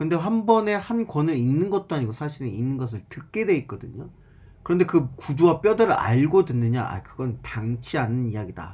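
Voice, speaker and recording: Mumbling at a moderate pace, a man with a somewhat breathy, dark, mellow voice and fairly high pitch makes very wide pitch swings. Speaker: pastor teaching Bible to church teachers. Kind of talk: online Bible lecture. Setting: recording alone for online class. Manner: mumbled pronunciation, low energy. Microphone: laptop built-in mic, uneven volume.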